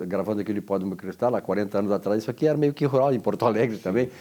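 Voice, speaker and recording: This man has a dark, mellow tone and lively intonation. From southern Brazil, Rio Grande do Sul (Uruguaiana). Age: 70s. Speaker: TV talk show host. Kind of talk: interview. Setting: studio.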